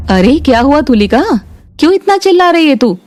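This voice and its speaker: A woman voicing a calm, kindly mother-in-law in a cartoon story. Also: high-pitched, brisk. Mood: soothing.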